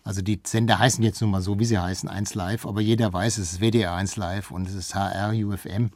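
A mature man with a fairly low, dark and mellow voice that has a husky edge. He talks off the cuff as an interview guest, explaining in hesitant phrases with emphatic swings. The sound is close and dry. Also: fairly even intonation, fast talker, dry recording. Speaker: interview guest, public radio cultural journalist. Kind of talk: spontaneous panel-style discussion.

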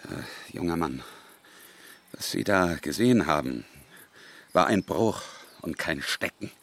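A man playing a gruff, grumbling older hunter in a radio drama, with a rough voice and a lecturing manner. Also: low-pitched, animated, a little slow, a bit bright, heavily acted. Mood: grumpy. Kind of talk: German radio drama acting.

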